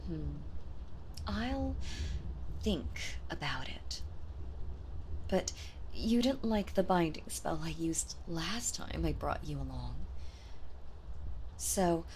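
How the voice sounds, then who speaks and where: Some woman doing a soft doting villainess, ASMR role-play, lowish voice, really slow, noisy background. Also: animated. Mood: coaxing, patient. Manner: soft-spoken, soothing, unhurried, often dropping into soft voice.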